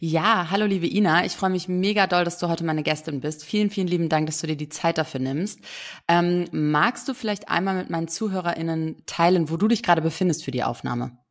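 A woman's voice: on the low side, fairly quick. A woman hosting a German podcast interview, chatty with frequent fillers. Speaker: podcast host.

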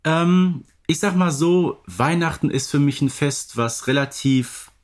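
A man co-hosting a podcast, chatting casually in a matter-of-fact, measured way. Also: fairly high pitch. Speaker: podcast co-host. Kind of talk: casual chat.

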